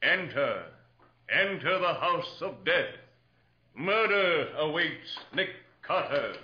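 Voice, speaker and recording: An actor playing a playful, theatrical gentleman financier of a club in a 1940s radio drama. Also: on the high side, expressive, takes it slowly, slight background noise. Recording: dull old 1940s radio recording.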